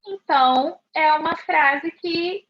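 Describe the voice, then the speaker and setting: A woman teacher explaining a class lesson slowly and clearly, asking rhetorical questions. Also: high-pitched. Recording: dull lo-fi recording.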